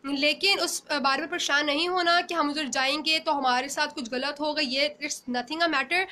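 A woman's voice: high voice, fairly even intonation, rapid-fire, bright, forceful tone. A young woman from Pakistan with a Pakistani English accent, answering viewers' questions in a live Q&A session, mixing English and Urdu with many fillers and restarts, filmed on a phone at arm's length in a small room. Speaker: former exchange student answering questions. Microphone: phone camera at arm's length.

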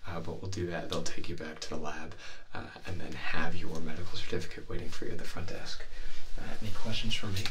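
A man in his twenties in a soft-spoken, often whispering ASMR medical roleplay, playing a reassuring doctor. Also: low-pitched, fairly even intonation, fast talker, few pauses, very noisy.

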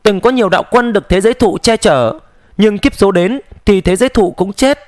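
High-voiced male audiobook narrator. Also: fairly quick, a little mellow, no room sound, studio quality. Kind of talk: dramatic fantasy audiobook narration.

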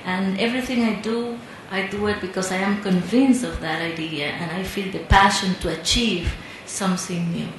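A woman answering on a conference panel in a measured, reflective way. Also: mid-range voice, fairly even intonation. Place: large conference hall. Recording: echoey hall with background hiss.

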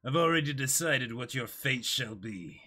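Guy putting on a bossy evil pirate captain, gloating and theatrical, bright forceful voice that swings around. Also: mid-range voice, animated, normal speed. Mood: menacing, gloating. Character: boisterous, menacing pirate captain with theatrical villainy.

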